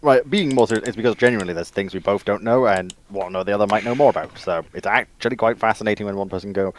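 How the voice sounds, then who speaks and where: Lower-voiced man explaining matter-of-factly. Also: slight background noise. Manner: measured, matter-of-fact explaining. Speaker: co-host guest. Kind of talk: casual stream chat.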